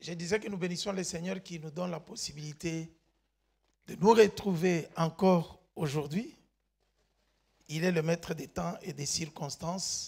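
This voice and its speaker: Speaking at a fairly slow pace with long, frequent pauses, a man with a high voice keeps a fairly even intonation while his loudness swings widely. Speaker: pastor. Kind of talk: sermon. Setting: church.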